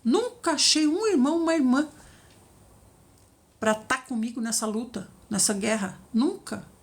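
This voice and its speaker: Female preacher, lively and a bit high, acts out quoted voices. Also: unhurried. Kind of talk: devotional teaching.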